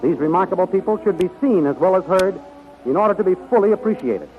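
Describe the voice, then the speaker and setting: High-pitched vintage radio announcer, man. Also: animated, quick pace, faint music behind. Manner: emphatic, formal. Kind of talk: 1930s radio announcing, scripted narration. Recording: muffled 1930s radio recording.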